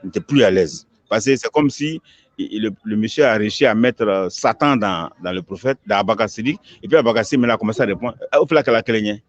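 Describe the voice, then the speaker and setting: A man's voice: fairly low pitch, fast talker, dry recording. Male imam preaching in an interview, emphatic, keeps repeating words, muffled lo-fi sound. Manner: emphatic, animated, repeats words as he builds a point. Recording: dull lo-fi recording.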